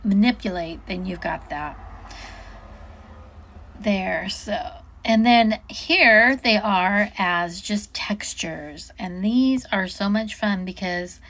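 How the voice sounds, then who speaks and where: A woman's voice: mid-range voice, takes it slowly, fairly bright tone. A woman giving a casual, unscripted product walk-through, chatting and musing aloud as she goes, often interrupting herself.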